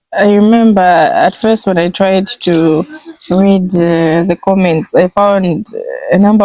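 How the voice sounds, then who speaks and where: A woman at medium pitch and a fairly slow pace, with ordinary pitch variation, over noticeable background noise. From Zambia. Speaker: interviewee, wife in interracial couple. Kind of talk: interview.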